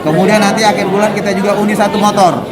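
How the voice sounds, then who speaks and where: A woman gives an unscripted interview as an official, urging the public in a medium-pitched voice. A loud crowd in a busy public space surrounds her. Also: little pitch movement, racing, heavy background noise. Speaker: police official being interviewed. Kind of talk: spontaneous interview, public appeal.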